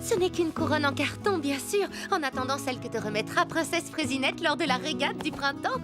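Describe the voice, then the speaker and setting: A woman plays an excitable girl designer in a cartoon, grand and gushing in every phrase. The pitch is extremely high. Music is clear in the background. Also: a little fast, close to an everyday voice. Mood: excited. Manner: gushing, dramatic. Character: excitable, theatrical young girl fashion designer. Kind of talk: French animated children's cartoon dialogue.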